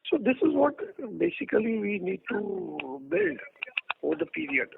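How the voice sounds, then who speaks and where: A man's voice: high voice, sing-song, moderate pace, vocal fry. A man with an Indian accent, a company executive explaining plans on an earnings call over a noisy phone line. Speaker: company executive answering questions.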